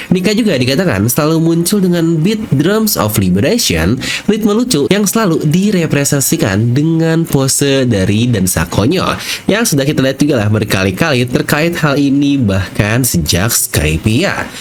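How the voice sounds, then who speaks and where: A man hosts a casual explainer with a very lively, swinging intonation at a middling pitch. He talks chattily straight to his viewers and stretches the ends of his phrases. There is some ambient noise behind his voice. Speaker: video host. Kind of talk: casual explainer commentary with slang and catchphrases.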